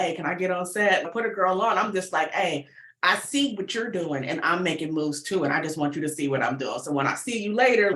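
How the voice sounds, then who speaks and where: A woman with a bright, forward voice talks as an interview guest in casual, slangy language. Her delivery is animated and informal, and the recording has a noticeable room echo. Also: fairly low pitch. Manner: animated, informal, peppers talk with slang and acted-out quotes. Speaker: podcast guest, writer and producer of audio fiction.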